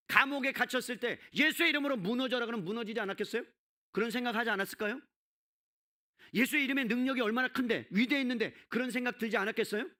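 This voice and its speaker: A male pastor preaching a sermon in a conversational way, peppering the congregation with rhetorical questions and swinging between loud, quick bursts and low, hushed emphasis. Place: church sanctuary.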